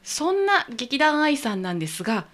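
A woman hosting a community radio interview, asking questions in a lively, friendly way. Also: high voice, moderate pace. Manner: lively, bright interviewer with frequent laughs. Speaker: radio host.

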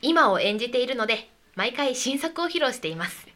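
A woman from a visiting theater troupe, describing their shows in a cheerful, clear way. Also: on the high side, lively intonation, brisk, fairly bright tone. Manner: cheerful, clear, with light laughs. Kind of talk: radio interview.

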